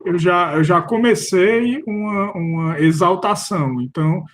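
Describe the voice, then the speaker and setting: A man's voice: high-pitched, a little slow, a crowd in the background. A Brazilian man in a casual group discussion, questioning and unsure, often restarting words, heard over a video call. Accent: Brazilian Portuguese. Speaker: philosophy study group participant.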